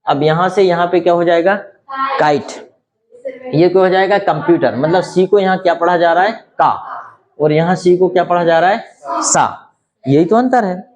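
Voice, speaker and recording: A man whose first language is Hindi teaches a spoken English lesson, explaining slowly and posing many rhetorical questions. His voice is high, and crowd noise can be heard.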